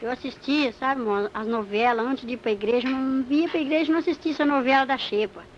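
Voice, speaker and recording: High-voiced woman giving a church testimony. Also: fast talker. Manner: animated storytelling, acting out dialogue. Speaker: testimony speaker. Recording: muffled recording with faint hiss.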